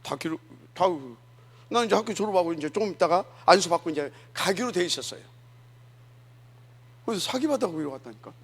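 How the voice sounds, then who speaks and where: Male pastor, sermon, gravelly husky voice, slightly high, chatty rhetorical questions. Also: animated, a little fast, long pauses. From Jeolla, South Korea. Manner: conversational preaching, rhetorical questions to the congregation. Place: church sanctuary.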